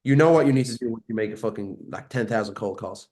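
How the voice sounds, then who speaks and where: A man's voice: on the low side, fast talker, darkish tone. A young man talks over a video call as a podcast guest. He is brash and profane, speaks in bursts and often repeats himself. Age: 20s. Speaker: guest, marketing agency owner. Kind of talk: casual podcast interview.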